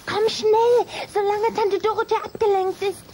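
Very high-voiced, feisty little vampire girl. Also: flat delivery, measured pace, darkish tone, a little hiss or hum. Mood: earnest. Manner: pert, emphatic. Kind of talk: German children's radio play acting.

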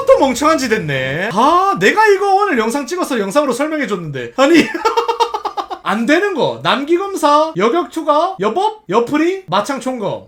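A gaming channel host giving casual commentary as they play, excitable, laughing often, pleading with the game and talking straight to viewers. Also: medium pitch. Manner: talks directly to viewers.

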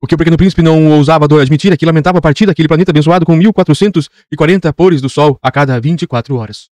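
Fast-reading man narrating a book. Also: on the high side, dry recording. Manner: steady, occasional slips and restarts. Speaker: audiobook narrator. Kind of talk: scripted narration of a children's novel.

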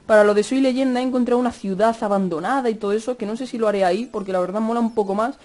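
A young man with a Spanish accent from Spain chatting fast over Minecraft gameplay, cursing and yelling at the mobs. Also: high voice. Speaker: gaming youtuber.

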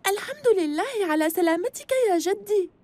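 A woman voicing a caring, helpful young girl in a children's cartoon, gentle and considerate, in formal Arabic. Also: extremely high pitch, expressive, moderate pace, no echo. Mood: polite.

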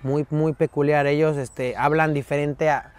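Guy guesting on a podcast, kinda high voice, chatty storyteller who does english bits. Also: a little slow. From Mexico. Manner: animated storyteller who mimics English phrases. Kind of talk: casual interview storytelling.

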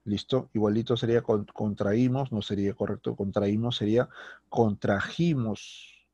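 A man's voice: on the low side, fairly even intonation, brisk, mellow, slightly rough, no echo, lo-fi sound. A male teacher giving a grammar lesson with a Peruvian Spanish accent, patient and repetitive, often checking in with his students. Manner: patient, repeats words and checks with "¿ok?" and "¿listo?".

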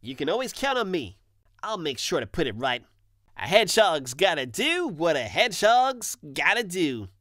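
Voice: mid-range voice, big pitch swings, moderate pace, fairly bright tone, no room sound, studio quality. A performer voicing a cocky, upbeat young male hedgehog hero from a video game, brash and breezy in delivery. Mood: earnest, determined. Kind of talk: video game character voice demo.

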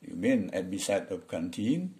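A man voicing a young male office worker who chats with a coworker after work, reading his English lines slowly and carefully. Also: low-pitched, big pitch swings, warm tone, heavily acted. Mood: friendly.

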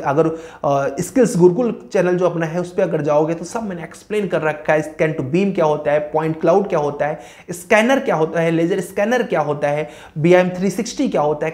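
A man's voice: fairly high pitch, a little mellow. Male engineering teacher, casual advice lesson, list-driven, drops English terms into his talk. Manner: explains through lists and checks in with "okay". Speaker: civil engineering educator. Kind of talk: informal career-advice lesson.

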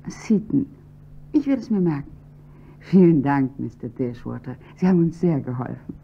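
An actress playing a poised, wealthy wife in a radio crime play, polite on the phone and cold to an intruder. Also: female voice, rumbling low, expressive, normal speed, creaky, breathy edge, heavily acted. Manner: poised, then sharp and commanding. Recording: dull lo-fi radio recording with faint hum.

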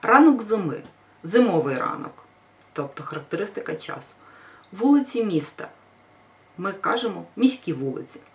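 A woman's voice: medium pitch, very animated, normal speed, pauses often. A woman teacher giving a grammar lesson, patient and reassuring, stressing each example word. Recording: voice a bit far from mic.

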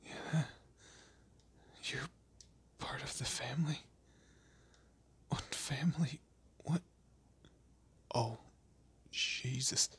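A man playing a frightened, pleading captive of a vampire in an audio roleplay, stammering and often slipping into breathy whispers. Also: mid-range voice, extremely slow, pauses often, a bit bright. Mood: hesitant, nervous. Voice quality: breathy, husky. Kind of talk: amateur audio roleplay drama, one-sided dialogue.

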